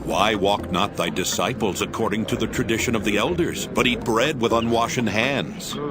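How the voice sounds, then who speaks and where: An actor playing a challenging Pharisee, formal and accusing, in a dramatized scripture reading. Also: male voice, on the low side, normal speed, lightly acted. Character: challenging Pharisee questioning a religious teacher. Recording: music under the voice.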